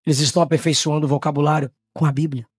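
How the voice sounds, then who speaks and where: A man from Brazil preaching a Pentecostal sermon, shouting in high bursts and then dropping to low, quiet tones. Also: flat delivery, rapid-fire, breathy edge, no room sound, clean studio sound.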